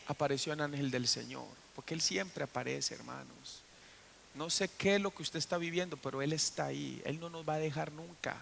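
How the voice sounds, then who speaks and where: Gravelly pastor preaching. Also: male voice, a little high, a bit bright, a little hiss or hum. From Costa Rica. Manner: storytelling preacher who asks the congregation questions. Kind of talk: sermon. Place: church.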